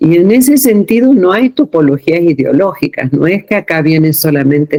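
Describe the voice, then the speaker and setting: A woman speaks at a fairly slow pace in a dark, mellow tone. The sound is dry and close, with no echo. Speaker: director of a postgraduate institute. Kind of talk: informal talk to live online audience. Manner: slow, deliberate.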